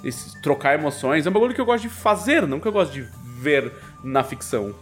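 A Brazilian man with a voice slightly on the high side gives his opinions as a podcast co-host. He speaks casually and emphatically, checking in often, over faint background music. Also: sing-song, fast. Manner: emphatic, with frequent check-in tags.

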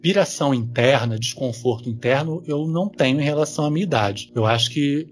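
A man's voice: on the high side, a little fast. A man, chatting candidly on a podcast with lots of casual fillers. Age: 40s. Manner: candid, conversational, fillers like "sabe". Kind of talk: casual chat.

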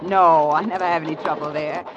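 An actress playing a coy, guarded young saloon singer in an old radio Western. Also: female voice, deep voice, steady tone, brisk, lightly acted. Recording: dull, noisy old radio recording.

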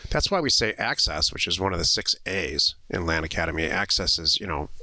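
Deep-voiced and expressive, a man from the western US talks a little fast in a pushed, bright tone with no echo. He's an American co-host on a land investment show, and his casual podcast explanations come across as blunt and informal.

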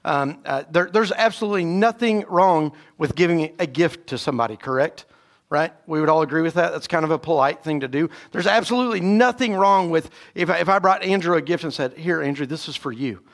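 Associate pastor, man, a bit raspy from a sore throat; conversational sermon delivery, fairly high voice, keeps checking in with "right?". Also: brisk. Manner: conversational preaching, frequent "right?" asides and restarts. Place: church sanctuary.

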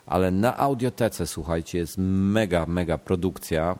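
A man's voice: deep voice, a little slow, a little mellow. A man hosting a casual podcast while sick, with a congested, blocked-nose voice, speaking hesitantly and often correcting himself. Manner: hesitant, self-correcting, repeats words. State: sick with a stuffed nose and fever. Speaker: podcast host.

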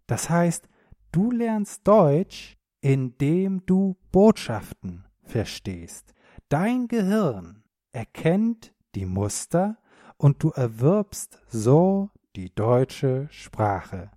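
A native German man hosting a podcast for learners, speaking clearly in an upbeat, encouraging way. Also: mid-range voice, mellow, no room sound, studio quality. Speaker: podcast host and language teacher.

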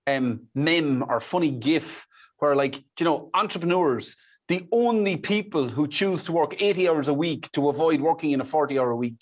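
Irish male podcast host, husky, animated delivery, lots of "um". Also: on the high side. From Ireland. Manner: enthusiastic, many "um" fillers, repeats phrases for emphasis. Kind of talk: podcast interview.

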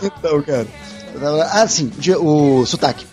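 Faint music plays behind this expressive, slightly mellow male voice, which is on the high side and keeps a measured pace. He's a video dubber from Minas Gerais, Brazil, appearing as a podcast guest, and in his Mineiro Brazilian Portuguese accent he swears and laughs as he tells stories in a laid-back conversation.

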